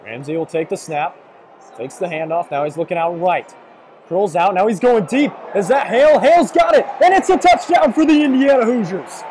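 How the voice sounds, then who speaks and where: A man's voice: sits high, expressive, normal speed, a little mellow, low-quality recording. A young man doing live play-by-play American football commentary as a sportscaster. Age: young adult. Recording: clear stadium background noise.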